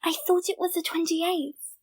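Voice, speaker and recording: A woman's voice: very high-pitched, flat delivery, normal speed, darkish tone, no room sound. A woman playing a confused, musing young woman in an amateur audio drama.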